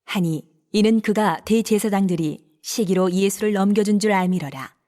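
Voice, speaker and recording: A woman narrating scripture from a script in a measured, clearly enunciated reading style. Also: mid-range voice, dark tone.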